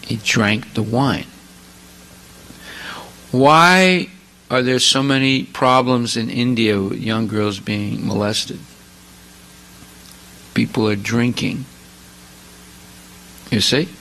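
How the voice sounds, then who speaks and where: A man gives a scripture lecture in an emphatic, questioning way. His voice is gravelly, bright and forward. He often pauses to ask the audience to follow along. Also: mid-range voice, slight background noise, poor audio.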